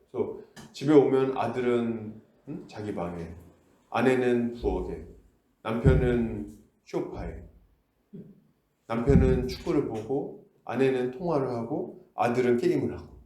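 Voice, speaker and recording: A man's voice: medium pitch, normal speed, mellow. A male pastor preaching a conversational sermon, often asking the congregation questions. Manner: conversational, asks the congregation questions, acts out scoldings. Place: church sanctuary. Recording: echoey church room.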